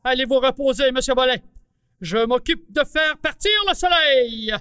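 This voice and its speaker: A woman's voice: high-pitched, moderate pace, sharp tone, smooth, dry recording, studio quality, in a large hall. A woman voicing a fussy, blustering male mushroom colonel who talks to children in a puppet show. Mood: determined.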